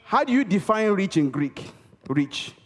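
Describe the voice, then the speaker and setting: A man's voice: high-pitched, very animated, unhurried. Emphatic male preacher in a reverberant hall. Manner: emphatic, repeats key words for effect; calls for audience response. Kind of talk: sermon. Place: church hall.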